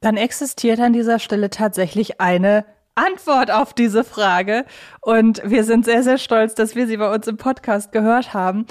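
A woman's voice: on the high side, normal speed, darkish tone. A woman co-hosting a podcast interview, earnest and fond of repeating words for emphasis. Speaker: podcast co-host.

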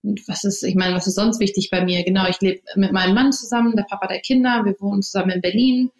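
A woman's voice: medium pitch, fairly even intonation, quick pace, a little mellow. Woman founder in her thirties, first language English; thoughtful, hesitant delivery with ums and restarts; room echo on the track. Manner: thoughtful, many fillers and restarts. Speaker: interview guest, company founder. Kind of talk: casual interview talk. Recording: roomy echo.

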